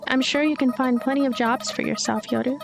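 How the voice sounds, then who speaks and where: Woman as a blunt, lonely girl, slightly high. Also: fairly even intonation, fairly quick, vocal fry, faint music behind. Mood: resigned. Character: gloomy, lonely, violent young ghost girl, blunt.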